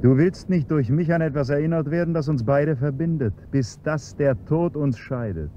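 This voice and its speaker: An actor playing a scheming chauffeur who slides from servile politeness into cold, mocking blackmail, on a dull, faintly hissy radio-play recording. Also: male voice, fairly high pitch, normal speed, dark tone, lightly acted. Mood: menacing. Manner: polite and servile, then coolly mocking and menacing. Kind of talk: 1970s-style German radio play acting.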